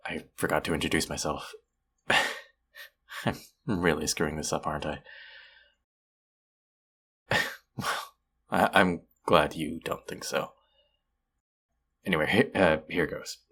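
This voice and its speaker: A man's voice: very deep voice, exaggerated voice. A man playing an awkward, apologetic and sweet young man who rambles nervously on the phone in an intimate audio roleplay. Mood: nervous, earnest. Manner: rambling, hesitant, self-deprecating, soft chuckles. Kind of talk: intimate one-sided audio roleplay, conversational.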